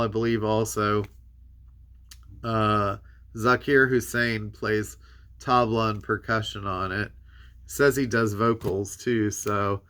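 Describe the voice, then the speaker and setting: A man's voice: medium pitch, bright, forceful tone, clean tone. A man hosting a casual, rambling music release rundown, congested and tired-voiced, speaking in conversational asides. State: tired voice giving out. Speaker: host of a music new-release show.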